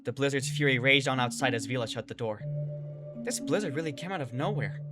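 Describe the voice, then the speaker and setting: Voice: mid-range voice, fairly quick, over loud music, natural voice. A performer playing an anxious, wry young survivor woman, narrating and speaking in a first-person audio drama. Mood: tense, wry.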